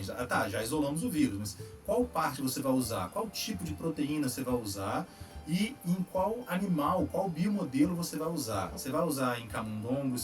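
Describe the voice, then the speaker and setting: Slangy Brazilian man explaining, a bit distant. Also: medium pitch. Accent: Brazilian Portuguese. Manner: relaxed, slangy, lots of "tá?" tags. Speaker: host answering viewer questions on vaccines. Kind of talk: casual explanatory chat.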